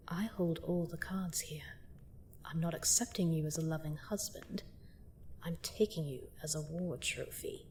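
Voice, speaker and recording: A woman's voice: fairly low pitch, a little mellow, natural voice. A woman playing a seductive, gloating vampire queen in a fantasy audio drama, theatrical and mock-sweet as she menacingly toys with her captive. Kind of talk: scripted roleplay audio drama monologue.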